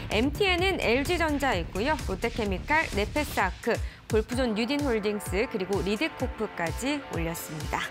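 A woman hosting a financial TV program, listing stocks and prompting her guest briskly. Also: on the high side, expressive. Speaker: financial TV host. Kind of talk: broadcast host chat. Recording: clear music bed under the voice.

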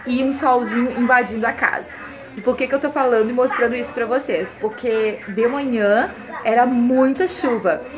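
A woman's voice: on the high side, moderate pace. Chatty woman. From southern Brazil. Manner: chatty, affectionate diminutives, frequent tag questions. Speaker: home vlogger. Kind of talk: casual vlog narration while cooking and cleaning. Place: home kitchen, indoors. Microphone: handheld phone camera.

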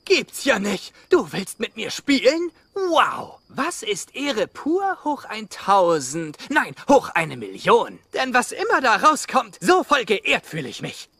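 A bubbly laid-back young mammoth. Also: male voice, high-pitched, wildly swooping pitch, slow pace, vocal fry, hardly any pauses, bright, forceful tone, breathy edge, no room sound, heavily acted. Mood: cheerful. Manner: enthusiastic, rambling, slangy. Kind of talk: dubbed animated film dialogue.

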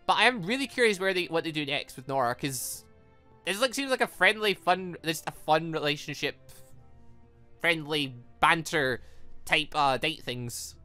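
A gaming host chats casually through a playthrough. The voice is bright and forceful, moving up and down a lot as it rambles along. Soft music plays behind it. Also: mid-range voice, moderate pace. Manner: animated, chatty and rambling. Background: background music.

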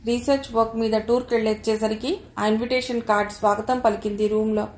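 A woman reading an audio story aloud in a measured, even narration. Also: on the high side. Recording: roomy echo, faint background noise.

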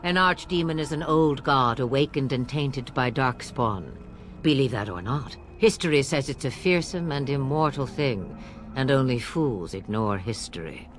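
Sly, low-voiced old witch. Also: lively intonation. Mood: wry, portentous. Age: older. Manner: theatrical, measured, wry. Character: old witch mother, sly, imperious, sardonic. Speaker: witch of the wilds. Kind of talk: fantasy game dialogue.

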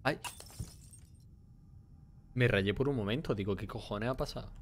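A man's voice: lowish voice, moderate pace, slight background noise. A young man with a Spain Spanish accent giving crude, swearing, laugh-prone commentary while streaming a horror game. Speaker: gameplay streamer. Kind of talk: casual horror let's-play commentary.

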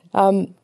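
A woman's voice: mid-range voice, dark tone, no echo. A woman in her fifties with a New Zealand accent, a psychotherapist introducing herself in a small studio with chatty, self-deprecating humor. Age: 50s. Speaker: psychotherapist guest. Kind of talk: relaxed personal introduction.

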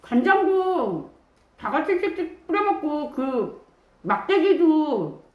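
A woman chats slowly and unhurriedly as she eats on a live stream, her voice rising and falling a lot. She keeps a hand over her mouth while chewing, and the room around her sounds echoey. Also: sits high, very animated, dull audio. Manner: slow, chatty, talking with food in mouth. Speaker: mukbang streamer. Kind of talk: casual live-stream chat while eating.

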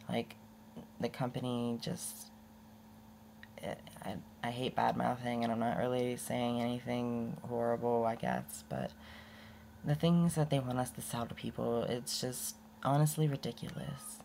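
Low, gravelly-voiced young woman vlogging. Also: fairly even intonation, moderate pace, dark tone, slight background noise. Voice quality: voice often goes hoarse. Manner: rambling and candid, with many restarts and laughs. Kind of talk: casual unedited vlog talk.

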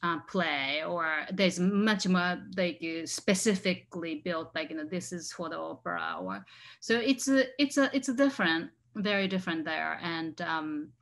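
A woman's voice: fairly low pitch, lively intonation, moderate pace, vocal fry, fairly bright tone. Hesitant woman on a video call. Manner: hesitant, many fillers. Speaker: guest set designer. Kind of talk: casual chat on video call. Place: home room.

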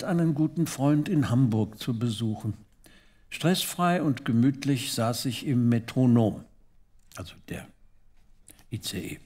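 A man co-hosting a show, chatting loosely with fillers, then reading funny diary entries aloud with dry comic timing. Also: medium pitch. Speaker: co-host reading comic literature.

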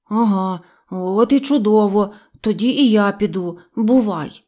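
A woman's voice: medium pitch, measured pace, dark tone, natural voice. Woman doing a greedy, stammering cartoonish bear cub. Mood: eager. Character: greedy good-natured male bear cub.

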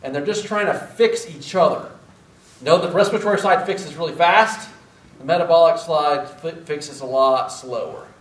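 A middle-aged respiratory therapy instructor lectures at a whiteboard in a large classroom, speaking through a face mask in a slightly high voice at normal speed. He's casual and self-deprecating, quizzing students as he goes. A distant camera picks him up, so the room sounds echoey.

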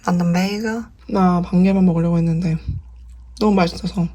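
A woman's voice: lowish voice, steady tone, brisk, warm tone. A woman in her twenties talking casually and playfully as she narrates her day for a vlog. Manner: playful, chatty self-narration. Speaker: vlogger and broadcast reporter.

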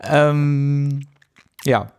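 A man's voice: fairly high pitch, steady tone, drawn-out words, darkish tone, clear, resonant tone. A man talking casually as a podcast co-host, thinking aloud in a hesitant way.

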